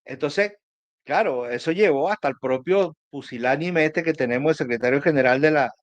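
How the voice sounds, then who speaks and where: Emphatic higher-voiced man with Venezuelan accent. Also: moderate pace, no room sound. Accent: Venezuelan Spanish. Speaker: political analyst. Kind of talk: animated political discussion, conversational.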